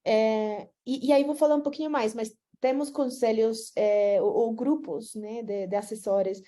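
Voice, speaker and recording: A woman's voice: on the high side, steady tone, unhurried, warm tone. A woman from Venezuela with a Venezuelan Spanish accent, speaking Portuguese as a guest speaker on a video call, often hesitating and restarting. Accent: Venezuelan Spanish, with some Portuguese mixed in. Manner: frequent hesitations and restarts, friendly, mixes in Spanish. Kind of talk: online talk with slides.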